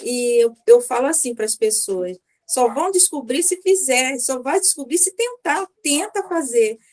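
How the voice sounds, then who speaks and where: A woman's voice: high voice, lively intonation, unhurried, darkish tone. A Brazilian woman in her fifties giving a chatty personal testimonial as a mentoring client, often acting out little dialogues. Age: 50s. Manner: chatty, acts out dialogues, frequent tag questions.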